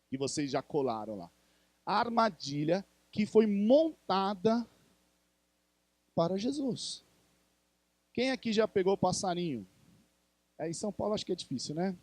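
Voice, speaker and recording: A high-pitched male voice, recorded with no echo. He's a pastor with a Brazilian Portuguese accent, giving a conversational sermon in church and asking the congregation questions.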